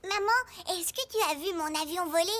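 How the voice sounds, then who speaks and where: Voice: very high voice, fairly quick, a bit bright, a little hiss or hum. A performer voicing an eager, curious little preschool boy in a children's cartoon, wide-eyed and earnest.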